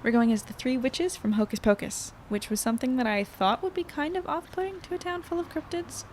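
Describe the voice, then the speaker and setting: A woman's voice: high voice, brisk, darkish tone, a little hiss or hum, close to an everyday voice. A woman playing an upbeat young reporter who narrates a chatty audio journal in an audio drama. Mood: chatty, pleased. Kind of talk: conversational first-person audio drama narration.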